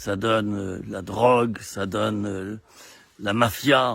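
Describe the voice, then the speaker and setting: A man speaks at a very slow pace. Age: 60s. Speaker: video blogger. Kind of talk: casual monologue to camera. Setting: outdoors in countryside. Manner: animated.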